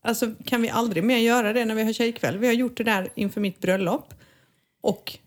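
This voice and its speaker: A woman co-hosting a podcast, telling stories in a dramatic, animated way and laughing often. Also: fairly high pitch. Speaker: podcast co-host. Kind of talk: casual chat.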